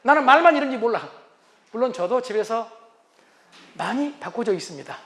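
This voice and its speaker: A man giving a humorous lecture on couples' communication, animated and acting out what spouses say. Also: very high-pitched, fairly quick. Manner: animated, acts out spouses' lines.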